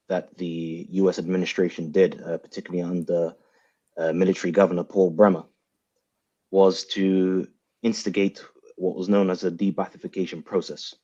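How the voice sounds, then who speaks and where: A man's voice: deep voice, dark tone, dull audio. A man speaking as a guest analyst in a political panel, thinking aloud in circling phrases and posing rhetorical questions. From grew up in the West, of Iraqi background. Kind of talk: spoken political analysis in an online panel debate.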